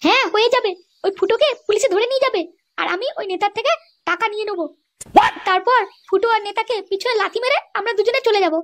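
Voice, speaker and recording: A woman voicing a sly, scheming young cartoon wife, brazen and coaxing, in a squeaky processed voice. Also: fast talker, a bit bright.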